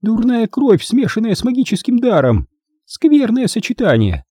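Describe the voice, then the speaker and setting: A stern, sour old grandmother in a storybook, played by a male reader. She speaks in a harsh, cutting, raised voice over a dark, husky tone, recorded dry and close. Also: very high voice, huge pitch swings, moderate pace, no echo, pitched above the performer's own voice, exaggerated voice. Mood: grim.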